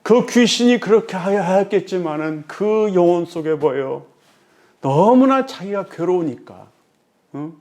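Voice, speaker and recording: A male pastor giving a sermon, driving his points home with rhetorical questions and swinging between loud emphasis and hushed, quiet phrases. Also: high voice, expressive, measured pace.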